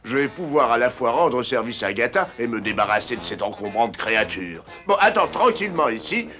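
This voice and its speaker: An actor playing an irritable, scheming uncle in a French cartoon dub, blustering and stammering. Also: male voice, mid-range voice, big pitch swings, fairly quick, pushed and bright, faint music behind.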